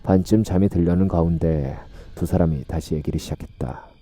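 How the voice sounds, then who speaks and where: Deep, dark-voiced male horror narrator. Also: soft background music. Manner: slow, musing, hushed storytelling. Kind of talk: scripted horror radio narration.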